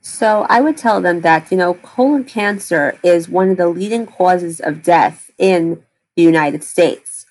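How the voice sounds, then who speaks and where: A woman's voice: on the low side, measured pace, a little mellow, poor audio. A woman gastroenterologist answering interview questions, explaining in detail with frequent fillers and restarts.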